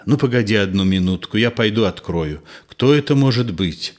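A man voicing a gentle, nervous middle-aged man in a read-aloud play, low and soft. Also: lively intonation, normal speed, natural voice. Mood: soothing.

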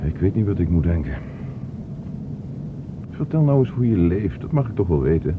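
A man's voice: low voice, sing-song, moderate pace. An actor playing a talkative middle-aged father in a radio play, insistently questioning and fussing over his son. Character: talkative, probing father eager to know his estranged son. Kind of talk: Dutch radio play acting. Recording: muffled, noisy old radio play recording.

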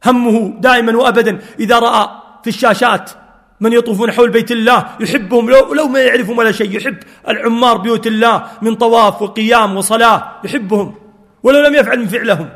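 A man delivers a fervent sermon in a high, carrying voice. His words ring out with a long reverb, as if in a large mosque or lecture hall. He weaves scripture quotations into his preaching. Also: quick pace, fairly bright tone. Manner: fervent, quotes scripture and stories.

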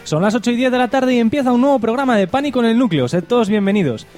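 A man's voice: very high voice, animated, racing, loud music behind the voice. A man hosting a comedy podcast, mock-serious and sarcastic. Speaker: podcast host.

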